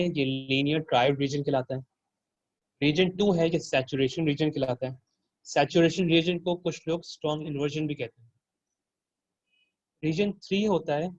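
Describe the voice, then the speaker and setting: A man's voice: on the high side, dry recording, dull audio. A man working as a teaching assistant, walking students through a circuit simulation and quizzing them with questions.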